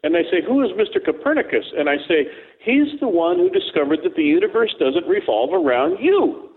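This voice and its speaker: A man's voice: high voice, big pitch swings, fairly quick. A man co-hosting a radio talk show, joking and rambling as he tells stories. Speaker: co-host. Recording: tinny phone line.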